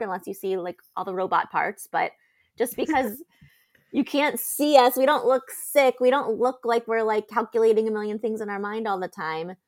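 A woman co-hosting a podcast in casual chat, earnest and encouraging, with many filler likes. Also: mid-range voice. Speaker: podcast co-host.

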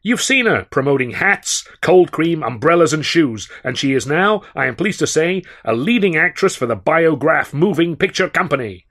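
A man's voice: a little high, very animated, fairly bright tone, voice pushed up. A man voicing a brash, boastful big male film producer who talks in a slangy, blustering way. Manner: blustering, fast-talking, slangy.

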